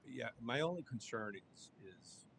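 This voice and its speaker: A man's voice: medium pitch, expressive, unhurried, vocal fry, a bit bright, slight background noise. A man serving as county commissioner, questioning a request bluntly and skeptically. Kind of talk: official questioning at a public meeting. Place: county board meeting chamber.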